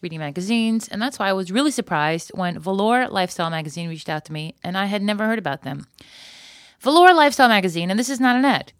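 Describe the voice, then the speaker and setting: A woman's voice: fairly low pitch, a bit bright, clear, resonant tone, no echo, studio quality. A woman hosting a solo podcast in a chatty, conversational way, with wry, joking asides. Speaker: podcast host.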